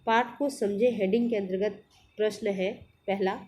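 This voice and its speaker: A woman's voice: medium pitch, fairly even intonation, normal speed, a little mellow, a little hiss or hum. A woman teacher patiently explaining a school textbook lesson, repeating and glossing each line.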